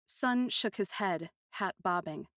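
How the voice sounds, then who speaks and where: A woman narrates a story in the first person. Her mid-pitched voice is deliberate and poetic, often hushed and dramatic. The recording is close and very dry. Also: animated, dry recording.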